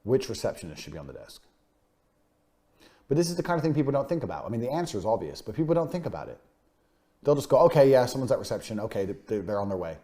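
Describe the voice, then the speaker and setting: A man's voice: medium pitch, dark tone. A man giving a motivational business lecture, blunt and boastful, swearing freely and hammering points home with repetition. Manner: punchy, emphatic repetition. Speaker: business course speaker.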